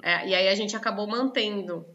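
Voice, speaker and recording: A woman's voice: mid-range voice, a little fast, highs cut off, a little hiss or hum. A woman teacher with a Brazilian Portuguese accent, explaining a lesson in an online class and often checking in with her students. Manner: lively, questions the students often.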